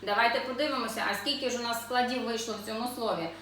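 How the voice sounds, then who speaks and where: A woman teaching young children to read, sounding out syllables slowly and asking the class questions in a sing-song way. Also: on the high side, fairly even intonation, fairly bright tone. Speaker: preschool teacher. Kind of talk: children's literacy lesson. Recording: echoey room, voice from a distance.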